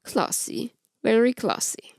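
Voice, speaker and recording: A woman's voice: a little high, very animated, slow, gravelly, no room sound, heavily acted. A woman voicing a sullen, sarcastic college-age man with a dry, irritated manner in a fan fiction audiobook. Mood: sardonic.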